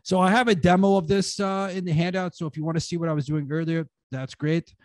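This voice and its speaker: A man's voice: sits high, fairly even intonation, fast talker, dry recording. A man giving a casual talk on writing at an online conference, full of "like" and "you know" fillers, speaking over a video call. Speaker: guest speaker, writing teacher.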